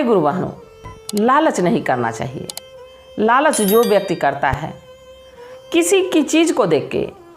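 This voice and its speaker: A woman narrating a devotional religious story with an expressive, preachy manner, addressing her listeners directly. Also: mid-range voice.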